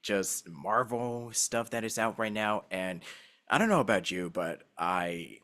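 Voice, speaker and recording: A man's voice: fairly low pitch, expressive, unhurried, a bit bright. A man in a casual chat who rambles, restarts his thoughts and laughs easily. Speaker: voice actor and show host.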